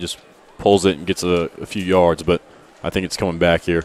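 A man with a very deep, low pitch and monotone, flat intonation at a fairly quick pace. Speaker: football color analyst. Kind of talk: live sports commentary. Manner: casual, conversational, explaining plays.

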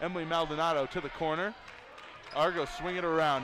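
A man speaks at a fairly quick pace in a high voice, with noticeable background noise behind him. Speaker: radio play-by-play announcer. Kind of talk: live radio play-by-play sports commentary. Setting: radio broadcast booth at the gym with crowd. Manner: fast, excited play-by-play, rattling off passes and scores, laughing at his own slips.

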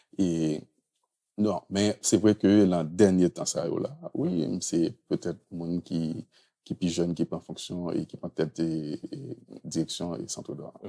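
A very deep, low male voice, dark and mellow, very slow, with ordinary pitch variation and big swings in loudness over a quiet background. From Haiti, South department; Haiti. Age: 40s. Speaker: arts centre director. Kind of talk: interview. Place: studio.

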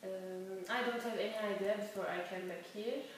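Light background noise and strong room echo surround a speaker with a Turkish accent. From Turkey. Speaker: exchange student. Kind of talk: interview testimony. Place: home room. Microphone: camera far.

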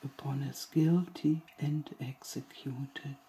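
Soft-spoken and somewhat breathy, a woman talks with a dark, mellow tone, a calm, gentle tone and fairly even intonation. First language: German. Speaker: ASMR storyteller reading fairy tales. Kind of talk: soft bedtime story reading aloud, ASMR. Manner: slow, calm, gentle storytelling pace.

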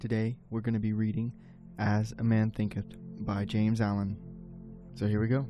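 Over background music, a man speaks slowly-ish in a fairly low voice, with fairly even intonation and a fairly slow pace. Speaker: audiobook narrator and podcast host. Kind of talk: audiobook reading of a spiritual self-help text.

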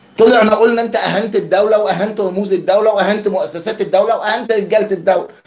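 Speaking at a fairly quick pace, a man uses a high-pitched voice with an animated tone. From Egypt. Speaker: football pundit and former player; football analyst. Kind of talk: angry video monologue. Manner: animated, repetitive. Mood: angry, accusatory. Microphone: webcam.

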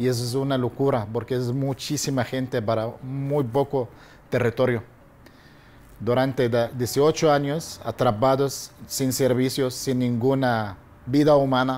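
A man with an Arabic accent speaks at a fairly slow pace. His intonation is monotone and flat. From Gaza, Palestine; Palestine. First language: Arabic (speaking Spanish). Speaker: small business owner; interviewee. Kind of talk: interview. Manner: halting. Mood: earnest, grave. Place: home room. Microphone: lapel.

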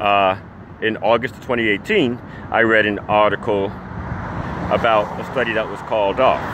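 A man speaks at a fairly slow pace in a fairly low, monotone voice with flat intonation. The sound is dry with no echo, and background noise is noticeable. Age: 40s. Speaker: homeless advocate; activist commentator. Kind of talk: monologue commentary. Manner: halting, many fillers. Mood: serious, critical, indignant. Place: street. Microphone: phone near.

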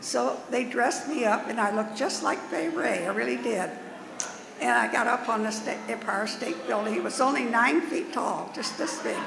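Noticeable background noise sits behind a woman with a fairly high pitch. Her intonation is lively and her pace moderate. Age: 80s+. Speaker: former film actress and stunt double. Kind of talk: interview answer. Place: stage. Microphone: podium.

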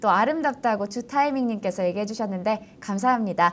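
Very wide pitch swings run through speech at a fairly quick pace. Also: woman. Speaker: live stream finance host. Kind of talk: live stream market briefing. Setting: live online stream with chat.

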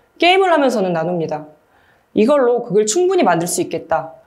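A woman's voice with very wide pitch swings over a quiet background. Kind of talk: interview answer. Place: studio.

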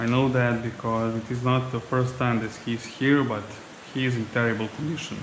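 A man at a moderate pace, flat and monotone, over noticeable background noise. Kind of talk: casual vlog commentary while working. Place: shop. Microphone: phone near.

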